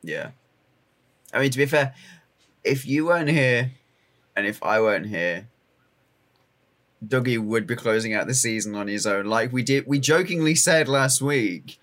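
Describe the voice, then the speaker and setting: A man's voice: medium pitch, lively intonation, a little slow, pauses often, fairly bright tone. A man co-hosting a podcast, chatting casually. His voice rises and falls a lot as he rambles and stumbles over his words. He giggles often between thoughts. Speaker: podcast co-host. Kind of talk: casual chat.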